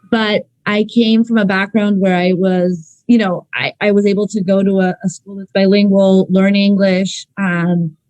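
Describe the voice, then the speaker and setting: A woman's voice: mid-range voice, a little mellow, no room sound, low-quality recording. A woman from Ecuador speaks as a clinical psychologist presenting in an online seminar. Her delivery is conversational, with um fillers and restarts. The sound is dry and close. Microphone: video call.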